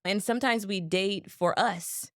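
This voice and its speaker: A woman in her thirties co-hosting a casual chat with her sister, telling stories in a lively way and acting out quotes. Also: medium pitch, measured pace, no room sound, clean studio sound. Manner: animated storyteller, acts out quotes, laughs easily. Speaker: podcast co-host.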